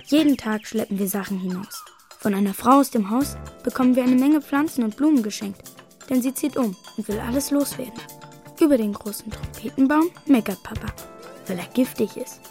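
A woman narrating a children's audio play as a boy of nearly eight, in a gentle, lively storytelling manner. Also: on the high side, moderate pace, soft background music, close to an everyday voice. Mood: cheerful. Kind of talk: first-person storybook narration.

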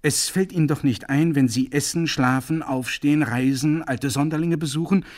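A man reading a radio story, voicing a domineering male professor who lectures loudly and shouts down every interruption. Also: a little high, normal speed, voice pushed up, lightly acted. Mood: ranting. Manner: lecturing, loud, insistent. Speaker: reader.

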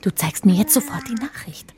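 A woman's voice: a little high, lively intonation, moderate pace, crowd noise, natural voice. An actress playing a panicky young woman who whispers urgently and harshly in a radio play. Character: panicky young woman, friend covering up a death.

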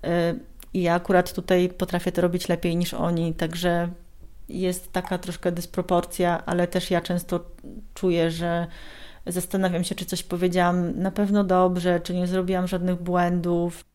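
A woman from Poland, a university lecturer, answering interview questions thoughtfully with hesitant pauses. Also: fairly low pitch, completely flat delivery, darkish tone, clear, resonant tone.

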